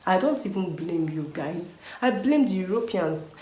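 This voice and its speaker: A Nigerian woman vlogger with a Nigerian accent rants casually at her viewers, scolding them in exasperation, firing rhetorical questions and dropping lively pidgin phrases. Her voice is lowish and moderately paced. The sound is roomy, with slight background noise.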